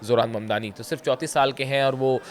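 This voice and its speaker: A hoarse man giving conversational news commentary straight to his viewers, pausing often and pointing things out as he explains. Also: medium pitch, steady tone. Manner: conversational, often says "dekhiye", frequent filler pauses.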